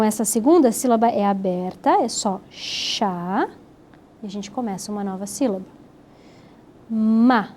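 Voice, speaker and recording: A woman teaching a recorded Hebrew grammar lesson, explaining step by step and sounding out syllables slowly. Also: medium pitch, warm tone, slight background noise.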